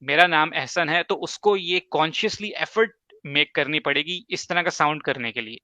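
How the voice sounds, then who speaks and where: A man whose first language is Urdu hosts a casual advice talk. He speaks emphatically and leans on examples and quick asides. His voice is bright and slightly high, recorded dry and a little dull. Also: animated, dry recording. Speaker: host.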